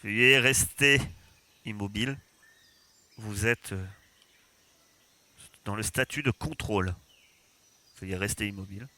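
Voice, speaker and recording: A man's voice: fairly low pitch, measured pace, pauses often. A man doing a clangy metallic robot drone. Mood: commanding. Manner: flat, mechanical, repeats the same order. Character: metallic-voiced surveillance drone, cold and repetitive. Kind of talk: game master voicing a figure in a tabletop game.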